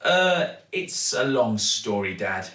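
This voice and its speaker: A man voicing an excitable, wary young girl in a children's storybook reading. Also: medium pitch, takes it slowly, reverberant, recorded from a distance. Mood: awkward.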